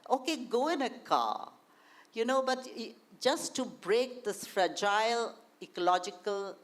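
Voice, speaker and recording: A woman with a posh, educated Indian accent, speaking earnestly and a little haltingly as she shares anecdotes and opinions at a panel discussion. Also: fairly high pitch, expressive.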